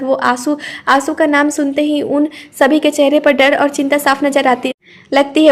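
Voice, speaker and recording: Woman narrator, high voice, flat even delivery, audio story reading. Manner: steady reading with small slips and restarts.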